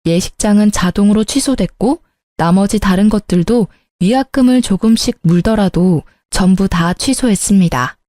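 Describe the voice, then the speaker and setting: A woman narrating a first-person drama story, sharp-tongued and dramatic. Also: medium pitch, moderate pace, no echo, clean studio sound.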